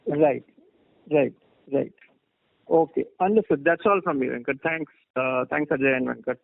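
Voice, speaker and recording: A man's voice: mid-range voice, moderate pace, vocal fry, dry recording. A man with an Indian accent, a financial analyst asking probing questions on a business call over a phone line. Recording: dry narrow phone line.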